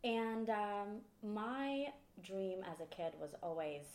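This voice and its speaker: Lively Swedish-raised woman guest. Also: medium pitch, takes it slowly, echoey room. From Sweden. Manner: lively storytelling. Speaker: podcast guest. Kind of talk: casual interview talk.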